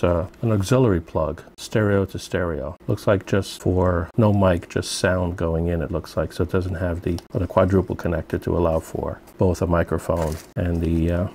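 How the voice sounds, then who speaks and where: A man's voice: low-pitched, darkish tone, slight background noise. A man giving casual unboxing commentary as a product reviewer, musing aloud to himself as he goes.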